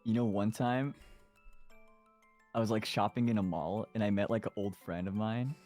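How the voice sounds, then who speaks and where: A man's voice: on the low side, normal speed, a little mellow, faint music behind. A young man chatting casually, giggling often and filling his speech with likes and ums. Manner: giggly, lots of fillers and gasps. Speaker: streamer. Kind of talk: casual chat.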